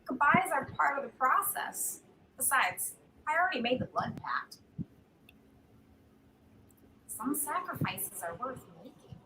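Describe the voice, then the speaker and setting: A woman's voice: high-pitched, sing-song, moderate pace. A woman playing an elderly woman married to her imaginary friend, speaking in a wry, dry mockumentary interview manner. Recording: loud background noise.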